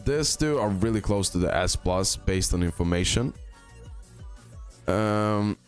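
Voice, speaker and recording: Deep-voiced man thinking aloud over game rankings. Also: lively intonation, measured pace, soft background music. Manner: hesitant, thinking aloud, repeats phrases for emphasis. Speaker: video game YouTuber. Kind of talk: casual game tier-list commentary. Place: indoor screen-recording voice-over.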